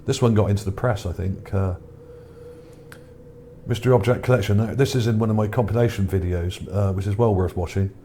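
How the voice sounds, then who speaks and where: Low, mellow male video commentator, musing. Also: a little fast. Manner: musing, tentative, hesitant. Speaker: video narrator presenting own image finds. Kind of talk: casual, unscripted screen commentary. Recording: background noise under the voice.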